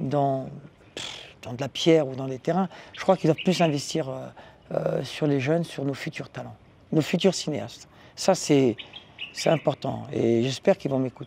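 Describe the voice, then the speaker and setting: With long, frequent pauses, a man with a fairly high voice talks at a moderate pace and ordinary pitch variation. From Morocco (Meknes). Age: 60s. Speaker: actor. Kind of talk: interview. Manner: hesitant, many fillers.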